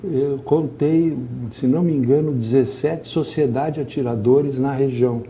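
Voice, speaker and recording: A man's voice: mid-range voice, steady tone, unhurried, warm tone, a little hiss or hum, poor audio. A man speaking as an institute president guest on a studio talk show, rambling and hesitant, searching for his words.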